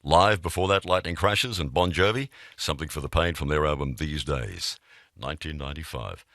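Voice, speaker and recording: Australian male radio presenter, extremely deep pitch, casual delivery, close dry studio sound. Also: fairly quick, fairly bright tone, no echo. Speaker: radio host. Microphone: close studio microphone.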